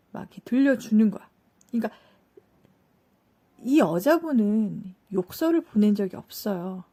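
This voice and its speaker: A woman's voice: mid-range voice, dark tone, slightly rough. A woman casually retelling a TV case story, loose and full of fillers, acting out the quoted lines as she goes. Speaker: channel host.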